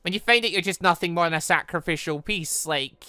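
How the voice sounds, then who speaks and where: A man reading a visual novel aloud and commenting off the cuff, often stumbling and correcting himself as he rambles excitably. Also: fairly high pitch, brisk, smooth, dry recording. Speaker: gaming channel host.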